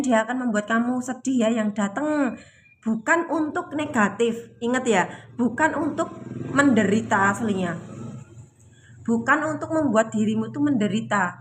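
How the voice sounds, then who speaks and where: A woman's voice: sits high, fairly bright tone. Chatty woman giving a spiritual talk. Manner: repetitive, chatty, often repeats phrases; reads viewer comments aloud. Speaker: spiritual live-stream host. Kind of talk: casual spiritual talk to viewers.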